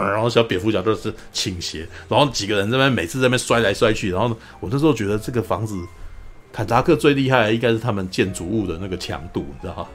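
Man, rapid rambling podcast talk, laughs a lot, faint music behind. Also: lowish voice. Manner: rambling, laughing, peppered with mild swearing and "you know?". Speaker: podcast co-host. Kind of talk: casual movie review chat.

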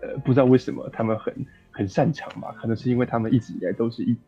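A man with a Taiwanese accent talks film on a podcast in a relaxed, mellow voice. His pitch is average, and he thinks aloud, pausing as he builds his explanations. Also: muffled recording, faint music behind. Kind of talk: casual film discussion.

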